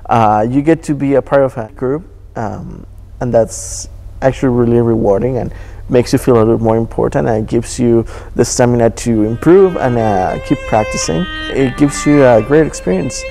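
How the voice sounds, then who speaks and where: A man's voice: medium pitch, vocal fry, dark tone. A man in his twenties from Argentina with an Argentine accent, a student musician talking casually in an interview. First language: Spanish. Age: 20s. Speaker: student viola player. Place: indoors in an auditorium.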